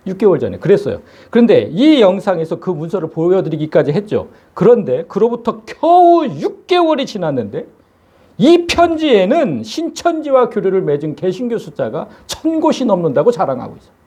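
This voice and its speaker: A man's voice: high voice, mellow, slightly rough. A man preaching a sermon as pastor, emphatic and full of rhetorical questions.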